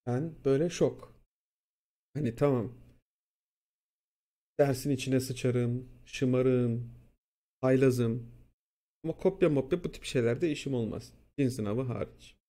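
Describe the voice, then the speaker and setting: A young man casually telling a school story, animated and profane, acting out what people said. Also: mid-range voice, slow pace, long pauses. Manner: animated, profane, acts out quotes. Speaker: streamer.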